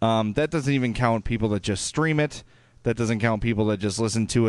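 A man with an American accent speaks in an ordinary speaking voice. His pitch is medium, with ordinary variation. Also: quiet background. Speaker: podcast host. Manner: conversational, upbeat.

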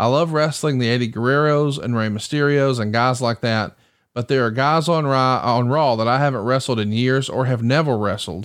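An ordinary speaking voice with an American accent moves at a moderate pace with hardly any pauses. Its pitch variation is ordinary, its loudness very even, and the background quiet. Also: man, medium pitch for a man. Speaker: podcast co-host and financial advisor. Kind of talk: casual chat.

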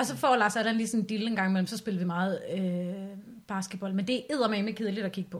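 A woman's somewhat breathy, medium-pitched voice with ordinary pitch variation, fairly quick but broken by long, frequent pauses. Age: 20s. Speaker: comedian. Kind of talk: casual chat. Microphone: far from the mic.

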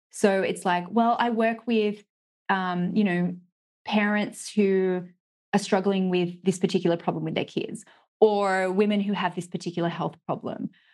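A woman speaks in an unremarkable speaking voice at medium pitch. Her pace is moderate. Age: 40s. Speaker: money mentor and author. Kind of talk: interview conversation.

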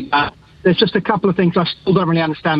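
Against noticeable background noise, a man talks in a high pitch with fairly even intonation. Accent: English. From England. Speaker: caller. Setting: phone call.

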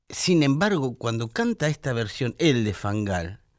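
A man with an Argentine accent, fairly slow, with very wide pitch swings, on a very clean recording with a silent background. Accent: Rioplatense Argentine Spanish. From Argentina, Buenos Aires city. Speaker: radio music show host. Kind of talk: casual chat about music.

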